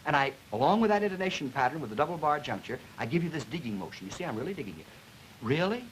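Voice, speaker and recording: A noisy 1950s educational film soundtrack carries a man's fairly high, widely swinging voice. He lectures as a linguistics teacher, emphatic and deliberate, stressing key words as he explains. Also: very animated.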